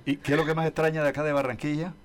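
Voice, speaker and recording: A man's voice: fairly high pitch, little pitch movement, racing, crowd noise. An older man, asking questions as a casual interviewer.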